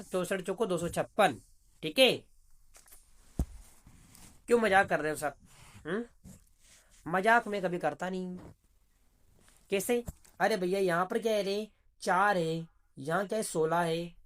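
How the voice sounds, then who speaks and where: A man's voice: sits high, a bit bright. A man teaching reasoning for an exam in a chatty way, asking questions and answering them himself. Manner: chatty, calls students "bhaiya", asks and answers his own questions. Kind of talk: exam-prep video lesson.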